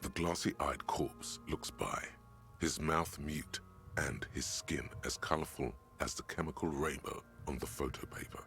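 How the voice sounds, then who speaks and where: A man narrating a game in a scripted, gravelly delivery. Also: rumbling low, slow, fairly bright tone, heavily acted. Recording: faint music under the voice.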